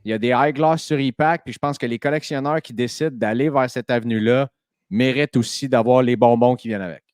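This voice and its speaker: Male host, smooth resonant voice, dry, chatty. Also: medium pitch, fast, darkish tone, no room sound. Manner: chatty, enthusiastic, many fillers. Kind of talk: casual podcast chat.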